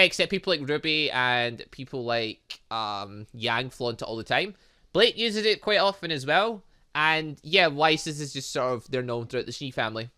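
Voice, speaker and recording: A man giving excitable, rambling commentary as he plays through a game, often thinking aloud. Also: a little high. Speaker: gaming channel host.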